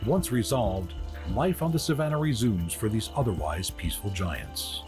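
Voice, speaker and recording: A man giving scripted nature documentary narration in a measured, dramatic way, with grand descriptive phrasing. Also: on the low side, expressive. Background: music behind the voice.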